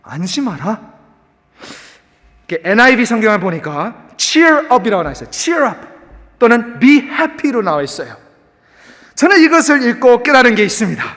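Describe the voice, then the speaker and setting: High, bright-voiced animated male pastor. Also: normal speed, pauses often, long reverb tail. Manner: animated preaching, mixing English words into the talk. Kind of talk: sermon. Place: church sanctuary.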